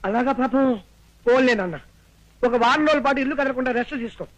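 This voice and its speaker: An actor playing a joking young student who teases his friend in rapid banter, on an old film soundtrack with music behind. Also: very high-pitched, lo-fi sound. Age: young adult.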